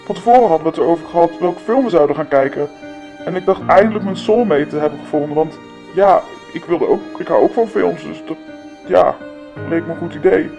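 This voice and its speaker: A woman in her twenties playing an anonymous young woman who hesitantly confesses, her voice disguised by shifting it down deep. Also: brisk, mellow, dull audio. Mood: confessional. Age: 20s. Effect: voice disguised, pitched down deep. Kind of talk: confessional documentary interview. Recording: music playing underneath. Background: music.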